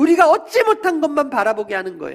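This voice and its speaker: This man's voice sits extremely high in pitch. He talks at a fairly quick pace. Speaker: pastor. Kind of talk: sermon. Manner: fast.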